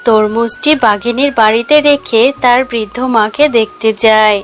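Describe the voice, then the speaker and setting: A woman's voice: on the high side, steady tone, normal speed, slight background noise. Woman narrating a children's story.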